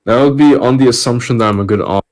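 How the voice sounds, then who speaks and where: A man's voice: medium pitch, fast talker, darkish tone, rough recording. A man co-hosting in a casual chat, joking in a sarcastic and crude way.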